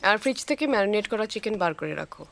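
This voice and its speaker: A bossy, grumbling housewife. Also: female voice, mid-range voice, expressive, fast talker, creaky. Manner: bossy, chatty. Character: bossy, complaining well-off housewife. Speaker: elder sister.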